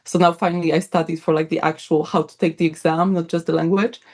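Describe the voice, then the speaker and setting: A woman's voice: low voice, flat delivery, fast, darkish tone. Chatty young woman. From Poland. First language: Polish. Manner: chatty, upbeat, with frequent laughs and fillers. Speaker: guest, writer and academic. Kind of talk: casual interview chat.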